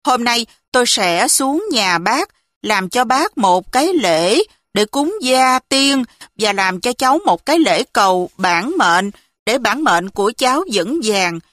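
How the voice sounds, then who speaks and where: Brief: a woman voicing a gentle elderly scholar, slow and reassuring, dry close sound. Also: a little high, animated, no room sound. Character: kind old village scholar, calm and gentle.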